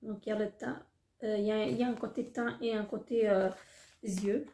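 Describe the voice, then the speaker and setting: A woman's voice: mid-range voice, fairly even intonation, brisk, dark tone. Woman vlogger, casual haul chat, gushing with lots of fillers, in a roomy echo. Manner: hesitant, many fillers, gushing. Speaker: beauty vlogger.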